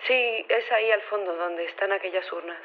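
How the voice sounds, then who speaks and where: Female field reporter, audio drama, phone filter, faint background noise, halting, hesitant, flustered, dejected. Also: mid-range voice. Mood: flustered, upset. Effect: telephone filter. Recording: noisy, narrow phone line. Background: ambient noise of a public square.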